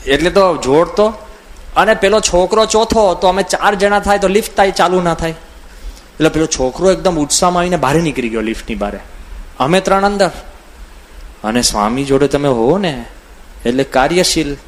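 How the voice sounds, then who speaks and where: A man giving a storytelling sermon as a swami, full of lively anecdotes, acting out the voices of people in his stories. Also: a little high. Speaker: swami giving a religious discourse. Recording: audio from a CD recording.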